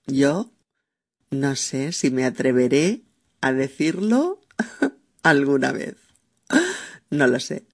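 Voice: mid-range voice, animated, slow, long pauses. A podcast host who explains unusual words in a chatty, musing way and spells them out letter by letter.

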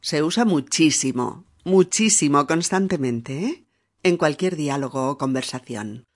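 A woman from Spain with a Peninsular Spanish accent, teaching a language lesson patiently and checking in with soft "mm?" prompts. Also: low-pitched, lively intonation, a little slow.

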